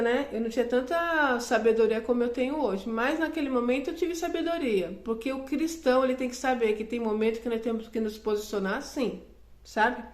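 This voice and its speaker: Woman, testimony speaker, earnest storyteller who acts out the dialogue, somewhat high voice, roomy echo. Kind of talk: personal testimony.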